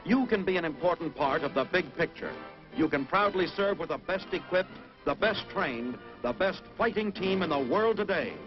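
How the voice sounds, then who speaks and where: A man's voice: high voice, animated, moderate pace. A man with an American accent reading a scripted television announcement. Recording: dull vintage television audio. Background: prominent music.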